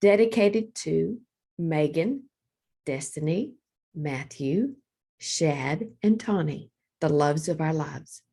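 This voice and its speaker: A woman hosting storytime, reading a children's picture book aloud in a deliberate, expressive storytelling manner. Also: low voice, gravelly, husky. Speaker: storytime host, librarian.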